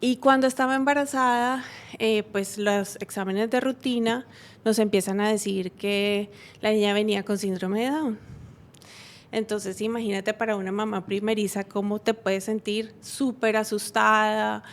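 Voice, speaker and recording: A woman tells her personal story of faith as a talk show guest. She speaks earnestly at a mid pitch, pausing often and restarting her sentences as she searches for words. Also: steady tone. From Colombia. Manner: halting, many fillers and restarts, earnest. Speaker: guest giving a testimony.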